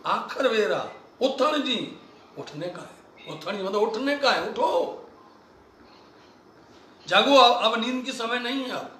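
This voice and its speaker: A high-pitched male preacher speaks slowly and deliberately, chanting verses and then expounding on them with growing fervor. His voice carries from a distance across a reverberant hall. A faint hum of ambience sits underneath. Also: lively intonation, a bit bright. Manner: addresses the listeners repeatedly. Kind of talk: devotional sermon. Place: religious festival gathering. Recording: echoey hall, voice from far off the mic.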